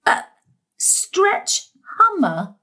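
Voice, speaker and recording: Actress as exasperated, high-voiced, sarcastic daughter. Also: female voice, wildly swooping pitch, drawn-out words, pushed and bright, exaggerated voice. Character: long-suffering, sarcastic middle-aged daughter and mother, music teacher. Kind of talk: stage-style audio drama acting.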